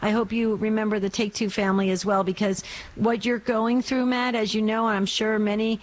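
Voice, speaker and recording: A woman's voice: mid-range voice, level tone, rough recording. Bubbly, caring female radio host. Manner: bubbly and caring, quick questions. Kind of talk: radio talk show.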